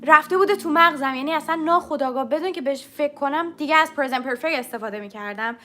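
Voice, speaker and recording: A woman's voice: high voice, bright, forceful tone. A woman teaching English on a live stream. She explains step by step, demonstrates sounds and answers viewers' questions from the chat. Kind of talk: live-streamed language lesson.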